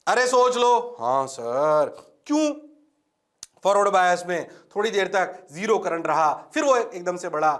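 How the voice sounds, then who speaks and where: A man's voice: high voice, animated, moderate pace, a bit bright. A man teaching physics in a classroom. He talks with energy and playful teasing, and keeps coaxing the class to answer. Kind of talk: classroom lecture.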